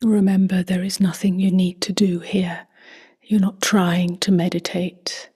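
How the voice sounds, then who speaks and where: Breathy, whispery woman guiding meditation. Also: on the low side, little pitch movement. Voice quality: soft, breathy, near-whispered. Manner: gentle, unhurried, long pauses. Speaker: meditation teacher. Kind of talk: guided meditation.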